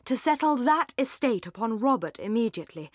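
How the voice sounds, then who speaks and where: Woman doing a stuffy self-satisfied english gentleman, solemn and long-winded, audiobook dialogue, close dry sound. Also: fairly high pitch, sing-song, a little fast, no echo. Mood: pompous, indignant.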